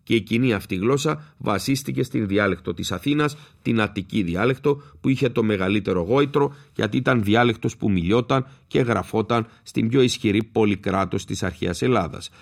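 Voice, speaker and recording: A man, a linguist, giving a scripted educational talk in a measured, explanatory way, spelling out letters slowly. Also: lowish voice, vocal fry.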